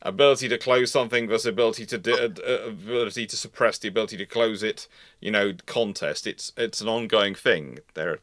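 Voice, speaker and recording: A man with a bright, forward voice hosts an unscripted question-and-answer session. He sounds close and dry, and he often breaks off to correct and rephrase himself as he explains. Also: lowish voice, no echo. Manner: halting, self-correcting, rephrasing mid-sentence. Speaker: host of a naval history live Q&A. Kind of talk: unscripted live discussion, answering viewer questions.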